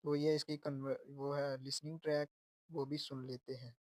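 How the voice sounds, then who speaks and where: A man's voice: mid-range voice, level tone, normal speed, darkish tone, no echo. A man teaching Korean, patiently explaining phrases word by word. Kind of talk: explaining Korean exam lessons.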